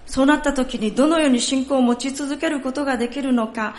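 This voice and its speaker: Brief: woman church leader, measured and formal, fairly high voice, echoey sanctuary. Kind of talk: sermon talk at a church service. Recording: echoey church hall, faint noise.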